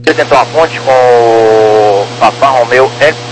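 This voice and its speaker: A man's voice: mid-range voice, a little slow. Brazilian male air traffic controller on noisy radio. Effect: aviation radio transmission. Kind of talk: clipped radio phraseology. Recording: noisy, humming aviation radio channel.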